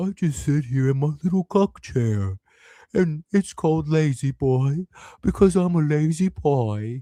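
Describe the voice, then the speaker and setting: Someone uses a put-on character voice at a fairly slow pace. The background is quiet. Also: man, fairly high pitch for a man. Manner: dopey, mocking.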